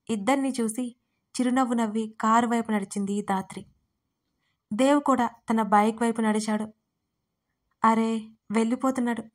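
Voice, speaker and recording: A woman who writes and narrates her own audio stories, in a steady, expressive storytelling style. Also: fairly high pitch.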